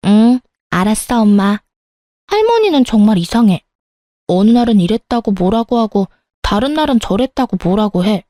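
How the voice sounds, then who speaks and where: A woman doing a sharp-tongued little schoolgirl. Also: mid-range voice, very animated, normal speed, no echo, clean studio sound, close to an everyday voice. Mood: complaining. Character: young schoolgirl daughter, clever and outspoken.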